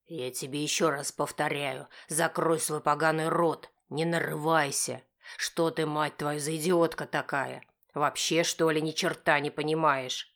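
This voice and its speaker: A woman voicing an enraged middle-aged husband who snarls harsh, cursing retorts in her own low voice. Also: steady tone, unhurried, a bit bright. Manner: harsh, snarling through teeth.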